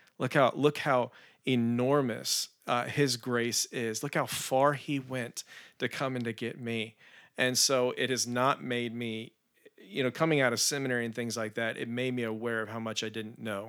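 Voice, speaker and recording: A man with an American accent, a plain, everyday voice, medium pitch, moderate pace and fairly even intonation, on a very clean recording with a silent background. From Texas (Spring, near Houston). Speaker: pastor. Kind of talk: testimony.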